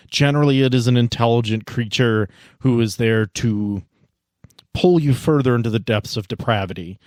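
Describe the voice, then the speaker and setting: A man's voice: lowish voice, a little mellow, no room sound. Casual male game master, dry close sound. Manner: casual, descriptive, with frequent restarts and asides. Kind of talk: narrating a tabletop game.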